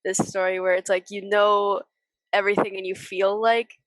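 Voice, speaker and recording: A woman's voice: mid-range voice, level tone, moderate pace, fairly bright tone, no echo, rough recording. Young woman, casual, in a dry recording. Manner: hesitant, informal phrasing with frequent "like". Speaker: podcast co-host, interviewer. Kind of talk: casual literary discussion.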